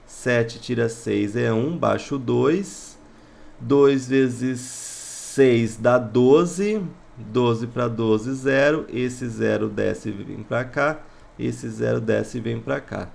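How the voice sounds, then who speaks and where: A man's voice: mid-range voice, vocal fry, a little mellow. A man with a Brazilian accent teaching math, explaining exercises step by step, posing questions and answering them himself, checking that listeners follow. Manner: didactic, asks himself questions then answers, checks understanding.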